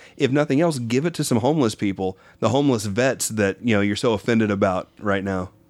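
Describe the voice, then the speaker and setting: A man speaks with an Oklahoma accent. His pace is very fast. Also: medium pitch for a man, ordinary pitch variation. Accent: Oklahoma twang. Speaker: podcast host. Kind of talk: casual interview conversation.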